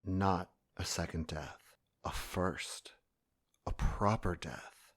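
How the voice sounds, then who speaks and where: Low, weary dying man. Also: breathy edge, dry recording, studio quality, exaggerated voice. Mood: grave. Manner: measured, soft, tender. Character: weary dying man, gentle, resolute, loving. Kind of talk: audio drama acting.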